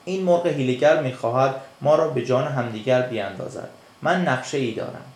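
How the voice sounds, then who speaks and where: A man's voice: mid-range voice, a little mellow, natural voice. A man voicing a brave, clever little black fish who speaks firmly and with scorn for cowards, in a storybook reading. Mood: defiant. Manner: scornful, firm. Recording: echoey room.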